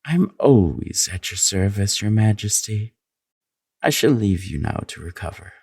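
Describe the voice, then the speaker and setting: Sly creaky evil court advisor for fantasy audio drama, low slow voice, oily and flattering. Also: male voice, dry recording, heavily acted. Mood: insinuating. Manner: insinuating, obsequious, drawn-out delivery. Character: scheming male royal advisor, silky, sly, manipulative flatterer.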